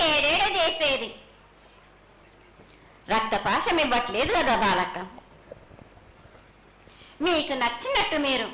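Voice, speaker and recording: A woman's voice: high-pitched, big pitch swings, slow pace, long pauses, sharp tone. A woman speaking in a prophetic trance as an oracle, declaiming in a chanting manner as though she were the goddess. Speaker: oracle delivering festival prophecy. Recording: echoey live ceremony, faint background noise.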